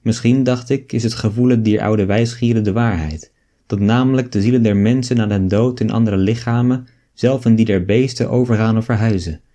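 A man reading an old novel aloud as an audiobook, in a measured storytelling way. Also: on the low side, fairly even intonation, warm tone. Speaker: audiobook reader.

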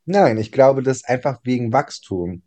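A man's voice: medium pitch, animated, normal speed, dark tone, highs cut off. A man co-hosting a casual podcast, teasing his co-host and laughing a lot. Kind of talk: casual chat.

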